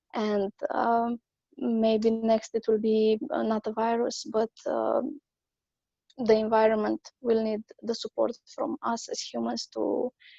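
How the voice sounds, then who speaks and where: Speaking at a very slow pace with a non-native accent, a woman has a dark, mellow tone and monotone, flat intonation, recorded with a dry, close sound and no echo. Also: fairly high pitch for a woman. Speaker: online meeting facilitator. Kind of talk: group meeting talk and reading aloud. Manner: hesitant, many fillers.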